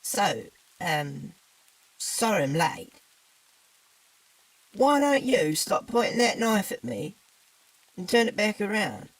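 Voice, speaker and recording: Man doing a British demon, high and bouncy, lively up and down, unhurried, dry. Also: no echo, exaggerated voice, low-quality recording. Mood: flippant. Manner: offhand, chatty. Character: casual male demon, high-pitched and flippant.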